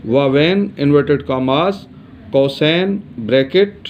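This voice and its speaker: Higher-voiced man teaching grammar, lo-fi. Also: takes it slowly, a little hiss or hum. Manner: steady explanatory reading with frequent hesitation sounds. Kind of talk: grammar lesson. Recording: dull lo-fi recording.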